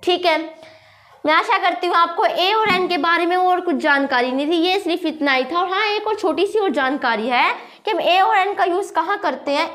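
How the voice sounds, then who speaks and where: High-voiced woman teaching grammar. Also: a bit bright. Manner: quizzes listeners with repeated questions, spells words aloud. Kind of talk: classroom-style grammar lesson.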